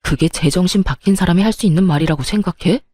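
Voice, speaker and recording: A woman's voice: medium pitch, expressive, moderate pace, warm tone, no echo, lightly acted. A woman voicing an upset young husband. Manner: agitated, reproachful. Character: young husband, upset and shouting at his mother.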